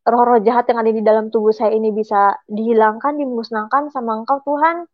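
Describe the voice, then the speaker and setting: A young woman telling her personal conversion testimony in a halting, emotional way, with many fillers and restarts. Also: fairly high pitch, steady tone, dry recording, phone-quality sound. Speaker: testimony giver.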